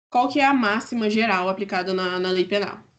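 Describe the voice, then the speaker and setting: A woman at a medium pitch, with audible room echo. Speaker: law student tutor. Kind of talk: lecture. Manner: fast.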